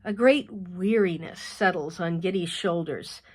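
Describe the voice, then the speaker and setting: A woman author reading a chapter of her novel aloud in an expressive, measured storytelling voice. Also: lowish voice, husky.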